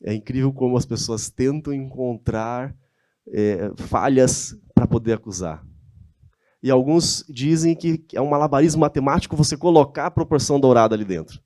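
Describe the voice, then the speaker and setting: Here a man talks at a moderate pace in a mid-range, slightly mellow voice, recorded at studio quality with no echo. His Brazilian Portuguese accent colors a conversational, slide-supported lecture hosted by a church, where he frequently poses rhetorical questions.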